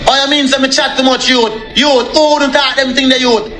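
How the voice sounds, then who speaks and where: A man's voice: very high voice, steady tone, fairly quick, roomy sound, music in the background. A young man with a Jamaican accent ranting angrily on a live stream, repeatedly calling out to his viewers. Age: young adult. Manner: repetitive, addresses viewers as people. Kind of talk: angry live-stream rant.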